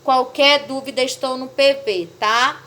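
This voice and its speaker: High bright-voiced teacher explaining. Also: female voice, fairly even intonation, a little slow. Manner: patient, repeats "tá?" to check understanding. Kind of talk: remote class explanation.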